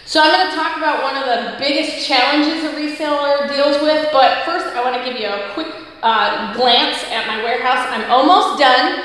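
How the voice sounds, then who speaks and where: Chatty woman with a slightly high voice, big hall echo all around her, no mic. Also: moderate pace, soft background music. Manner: upbeat, chatty, animated. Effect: big echoey hall sound. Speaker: reselling vlogger. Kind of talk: casual video chat. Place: large nearly finished warehouse. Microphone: no microphone, camera mic from a distance. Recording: echoey warehouse with long reverb.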